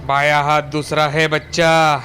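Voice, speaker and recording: A woman voicing a menacing male ghost corpse that taunts with booming laughs in a storybook tale. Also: little pitch movement, a little slow, a bit bright, a little hiss or hum. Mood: taunting.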